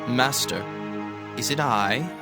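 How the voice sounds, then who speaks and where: A man's voice: mid-range voice, slow. An actor playing a male disciple in a biblical drama, putting pointed questions in archaic English. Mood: questioning. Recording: loud music under the voice.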